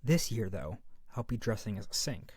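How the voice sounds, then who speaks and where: Man playing a soft-spoken friendly monster, very close up. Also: on the low side, sing-song, moderate pace, no echo. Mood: corny, playful. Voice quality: soft, breathy, often near-whisper. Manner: gentle, playful, coaxing. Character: friendly, sheepish monster under the bed who tells corny jokes. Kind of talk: soft-spoken ASMR roleplay. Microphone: very close to the mic.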